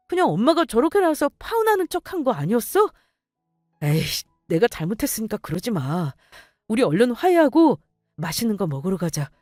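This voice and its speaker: A woman's voice: a little high, darkish tone, no room sound, clean studio sound. A woman voicing a young boyfriend who whines and sulks. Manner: whiny, sulking, complaining. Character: sulky young man, whining boyfriend.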